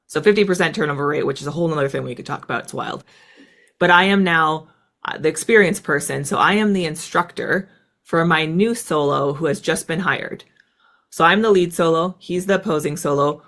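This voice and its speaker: A woman in her thirties from the United States, a guest in an interview, telling stories in a quick, animated way with plenty of "like" fillers. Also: low voice. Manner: fast, animated, lots of "like" fillers. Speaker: guest, former fighter pilot. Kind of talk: casual storytelling interview.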